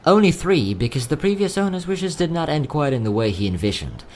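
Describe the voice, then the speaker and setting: A man playing a courteous, quietly sad young travelling merchant in a fantasy audio drama, speaking in polite, theatrical salesman's patter. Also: on the high side, very animated, a little fast, a little hiss or hum. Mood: wry sales patter. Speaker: voice actor.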